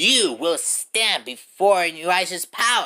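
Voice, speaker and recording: The voice is a put-on character at a middle pitch. It moves at a fairly slow pace. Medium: machinima. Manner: forceful, earnest.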